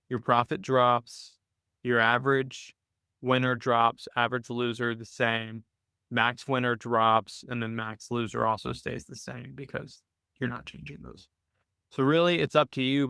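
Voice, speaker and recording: A man's voice: mid-range voice, a bit bright, clear, resonant tone, no room sound, studio quality. Man hosting a casual trading call. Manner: conversational, thinks aloud with restarts and "right?" tags. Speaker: host of a weekly trading call. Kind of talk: casual live Q&A explanation.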